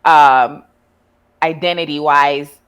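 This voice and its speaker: A woman's voice: sits low, fairly even intonation, slow, fairly bright tone, clean tone. A woman from Ghana hosting a casual interview as a therapist, asking friendly questions and laughing easily. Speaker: therapist and podcast host.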